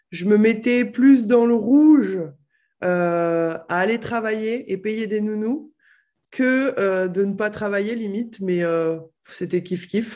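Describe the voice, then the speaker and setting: Against a quiet background, a woman speaks at a fairly high pitch in a dark, mellow tone. She talks at a very slow pace. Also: ordinary pitch variation. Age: 30s. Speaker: network marketing team leader. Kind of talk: interview.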